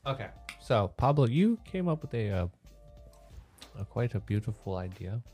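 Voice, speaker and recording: Low-voiced, informal male podcast host. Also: big pitch swings, moderate pace, dark tone, faint music behind. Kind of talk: casual chat.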